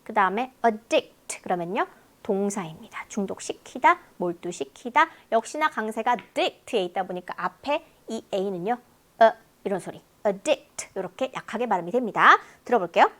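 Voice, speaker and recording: A woman teaching English listening in a lecture, explaining word pairs in a lively, talkative way. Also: medium pitch, moderate pace.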